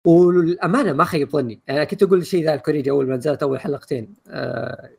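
Man, rapid casual chat, gravelly husky voice, rambling with fillers. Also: a little high, steady tone. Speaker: podcast co-host.

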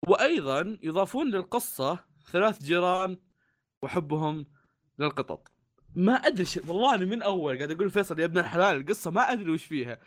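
A fast-talking man, his voice a little high. He co-hosts a relaxed podcast chat. He jokes at his own expense and trails off whenever he is unsure. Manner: joking, self-deprecating, trails off when unsure. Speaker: podcast co-host. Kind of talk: casual chat.

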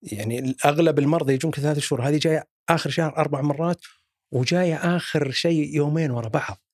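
A man's voice: on the high side, very fast, darkish tone, dry recording, studio quality, natural voice. A man with a Saudi accent voicing a driven male investigator in a told story. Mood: determined.

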